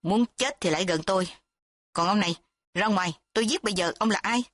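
A woman voicing a volatile, violent young male noble in an audio story, shouting wild threats. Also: mid-range voice, a little fast, no echo, close to an everyday voice. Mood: raging.

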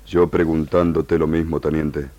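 Noble tribal leader, low and solemn, halting gerund-heavy broken Spanish, radio serial. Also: male voice, flat delivery, warm tone, no room sound, highs cut off. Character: noble indigenous chieftain, grave, proud, longing for peace. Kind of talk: radio drama acting.

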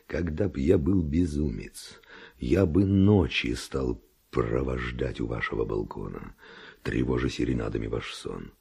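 An actor playing an ardent, reckless nobleman seducer in a classic radio play, declaiming verse theatrically with a gravelly, husky voice. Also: a bass voice, measured pace, darkish tone, heavily acted. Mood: passionate pleading.

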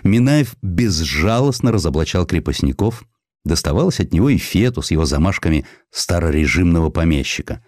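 Male narrator for historical audiobook: low voice, very animated intonation, theatrical storytelling, dry close sound. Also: fairly quick, dry recording. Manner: expressive, theatrical delivery. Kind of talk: scripted literary narration of a historical essay, with expressive verse recitation.

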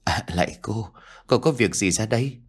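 Guy reading as scared villager, soft hesitant stammer, really deferential, ghost story. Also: fairly low pitch, animated, moderate pace, husky. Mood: timid. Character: timid male villager, fearful and deferential.

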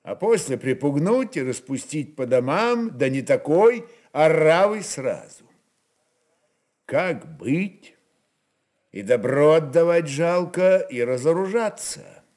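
Male storyteller, slightly high voice, animated intonation, deliberate dramatic delivery, weighty pauses. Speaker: narrator. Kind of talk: dramatic literary narration of historical fiction.

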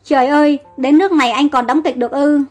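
A woman's voice: sits high, fairly even intonation, quick pace, soft background music, natural voice. A woman voicing a heartbroken young queen of ancient Egypt, tearful and despairing.

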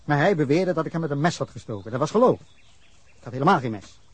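A man's voice: a little high, animated, quick pace, breathy edge, no room sound. An actor playing a defensive middle-aged man giving police an angry, rambling account of a drunken fight, in a radio drama. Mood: indignant. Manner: indignant, rambling account with bursts of anger. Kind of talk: Dutch radio drama acting.

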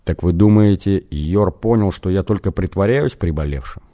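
A man's voice: low-pitched, normal speed, mellow, lightly acted. A man voicing a sheepish young novice sorcerer who answers hesitantly and defensively.

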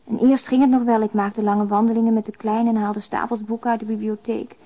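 An actress voices a despairing young single mother, confiding plainly and in a subdued way, as in a radio drama letter. Her fairly high voice is brisk and flat, conveying weariness and resignation. The radio drama recording is dull and lo-fi.

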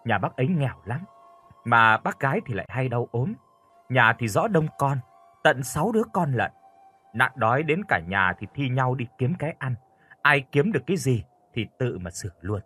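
A man narrating a scripted first-person horror story in an expressive storytelling voice. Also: mid-range voice, normal speed, husky, faint music behind.

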